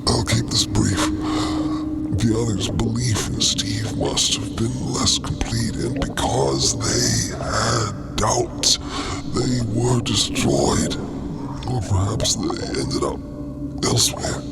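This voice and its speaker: An actor voicing an ailing, wistful insectoid alien disciple in an audio drama, with ornate, halting, solemn speech and a gravelly, sometimes breathy voice. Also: male voice, fairly low pitch. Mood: weary. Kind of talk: audio fiction character acting. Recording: loud music under the voice.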